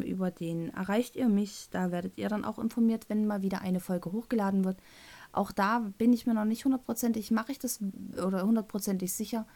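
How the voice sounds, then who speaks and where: This woman in her thirties has a medium-pitched, darkish voice and a Thuringian German accent, though she's from North Rhine-Westphalia, Germany. She hosts her own podcast, talking solo in a rambling, casual way full of fillers and self-corrections.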